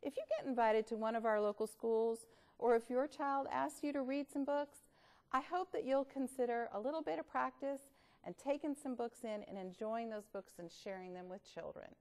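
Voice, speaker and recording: A woman presenting read-aloud tips in an expressive, instructional way, with deliberate emphasis. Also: on the high side. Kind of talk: instructional talk with storybook reading.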